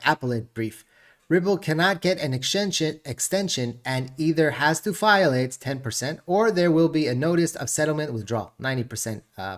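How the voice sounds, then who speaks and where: Stuffed up guy rambling about markets, kinda high voice, jokey. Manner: chatty, rambling, jokey with frequent laughs. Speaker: crypto video host. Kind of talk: casual market commentary.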